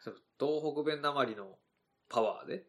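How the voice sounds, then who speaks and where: A man's voice: medium pitch, moderate pace. A man with a Kansai accent, co-hosting a podcast, backing up his partner with short blunt retorts and teasing jabs. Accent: Kansai Japanese. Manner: blunt teasing retorts, steady back-channeling. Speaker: podcast co-host. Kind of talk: casual comedic chat.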